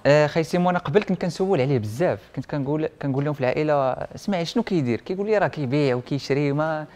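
Rapid-fire and fairly high-pitched with a darkish tone, this young man, a printing and IT technician, shares his personal story casually in an interview. His Moroccan Arabic accent comes through as he slips in French words and quotes what people said.

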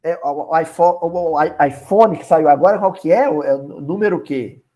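A man's voice: a little high, moderate pace. A man leading a Spiritist Bible study lesson, colloquial and asking his listeners questions. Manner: animated, colloquial, asks the audience questions.

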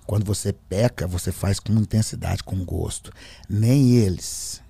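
A man voicing a possessed friend who speaks in a slow, deep, threatening voice. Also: vocal fry, warm tone, breathy edge, no room sound, heavily acted. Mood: menacing. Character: possessed male friend, menacing demonic voice.

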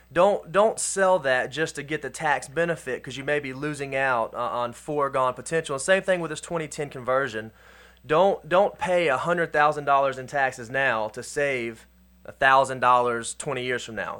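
A man co-hosting a finance show gives steady, measured investment advice. He speaks in an advisory tone, now and then repeating a word before pressing on. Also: medium pitch. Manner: measured, advisory, slight stammer on repeated words. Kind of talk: conversational radio-style advice.

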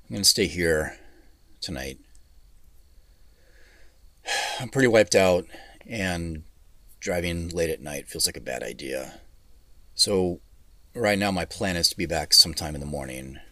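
A worn-out tech boss in an audio drama, speaking in a low register. He dictates in short, courteous, businesslike phrases, with a crisp edge to the tone. The sound is close and very dry. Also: animated, unhurried, long pauses, sharp tone, no echo, exaggerated voice. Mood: tired, casual. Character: weary male tech CEO dictating texts, polite, businesslike.

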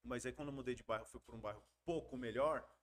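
A Brazilian man in a relaxed podcast conversation, talking in a slangy, animated way. His voice sits at an ordinary middle pitch. He tells long stories and keeps the chat loose. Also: fast talker. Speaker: podcast guest. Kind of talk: casual storytelling chat.

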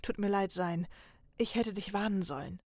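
A woman voicing a serious male elf trainer who speaks in an earnest, steady way, in a read-aloud story. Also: medium pitch, normal speed, no echo, clean studio sound, natural voice. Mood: remorseful, urgent. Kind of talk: storybook reading.

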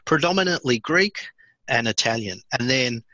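An Australian man in his fifties, born in India, telling his life story as a podcast guest in a relaxed way with many fillers and restarts. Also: medium pitch, normal speed, no echo, muffled recording. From born in India, raised in Sydney, Australia. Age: 50s. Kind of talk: conversational storytelling.

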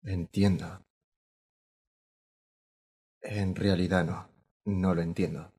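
An actor playing a musician in his forties visiting his old teacher, speaking in quiet, halting, uneasy lines with a husky voice. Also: low-pitched, little pitch movement, heavily acted. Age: 40s.

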